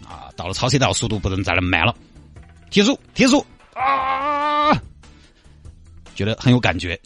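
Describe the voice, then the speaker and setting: A man's voice: fairly low pitch, fairly bright tone, slightly rough, no room sound. A man with a Sichuanese accent telling a comic story, sliding into mock-solemn, pseudo-poetic recital.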